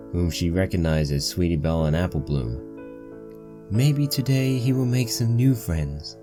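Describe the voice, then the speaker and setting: A man reading a story aloud as its narrator, in scripted storytelling style. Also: low-pitched. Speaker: narrator of a fan fiction reading.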